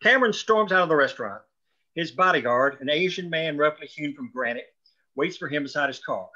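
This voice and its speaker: A man's voice: fairly high pitch, animated, fairly quick, pushed and bright. A man reading screenplay stage directions as scripted narration at a table read, on dull lo-fi audio.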